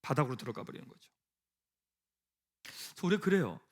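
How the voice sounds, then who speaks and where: In a church sanctuary, a male pastor with a high, sing-song, brisk voice preaches a sermon. He poses rhetorical questions, leads the congregation in reading scripture aloud, and swings from hushed to emphatic.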